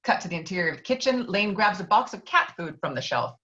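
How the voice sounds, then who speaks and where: A woman's voice: mid-range voice, big pitch swings, fast talker, pushed and bright. A woman reading out screenplay stage directions as the narrator of an online table read. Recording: dull, lo-fi online call audio.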